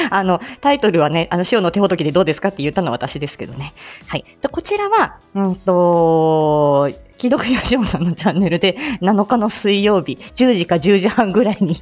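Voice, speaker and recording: A woman's voice: fairly low pitch, a little mellow. A woman hosting a casual live stream, chatting and laughing often as she reads viewer comments, with plenty of fillers. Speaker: live stream host and voice actor.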